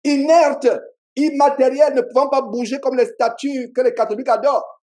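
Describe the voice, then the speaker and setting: Male pastor, Cameroonian French accent, warm high voice, emphatic call-and-response sermon delivery. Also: level tone, moderate pace. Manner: emphatic, repeats key phrases, call-and-response with the congregation. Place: church meeting.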